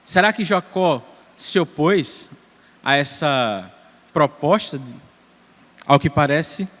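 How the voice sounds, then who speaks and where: A man with a Brazilian Portuguese accent, preaching an expository sermon in a church, measured and emphatic, posing rhetorical questions. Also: fairly high pitch, lively intonation, a bit bright, big-room sound. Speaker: presbyter preaching. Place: church sanctuary.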